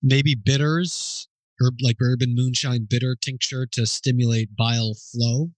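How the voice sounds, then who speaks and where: A man hosting a question-and-answer session, thinking aloud as he answers listener questions in an informal, explanatory way, with pauses and self-corrections. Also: medium pitch, steady tone, no echo, rough recording.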